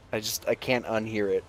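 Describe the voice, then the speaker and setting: A man giving informal, halting, sometimes profane commentary while livestreaming a video game. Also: fairly low pitch. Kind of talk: casual gameplay commentary with lore asides. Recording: game music behind the voice. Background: video game music and sound.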